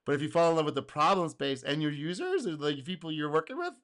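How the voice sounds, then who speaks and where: Animated, slightly hoarse man reacting. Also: a little high, fast. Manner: animated, exclaims and laughs, acts out customer quotes. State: getting hoarse. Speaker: host reacting to a video. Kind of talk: casual reaction commentary.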